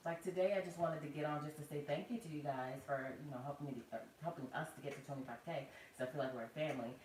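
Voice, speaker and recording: A woman hosting a casual planner livestream with a soft, soothing voice, chatty and quick to laugh, speaking. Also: low-pitched. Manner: chatty, laughs often, slow and relaxed. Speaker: planner channel host. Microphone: external mic, later removed. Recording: roomy, distant, faint background noise.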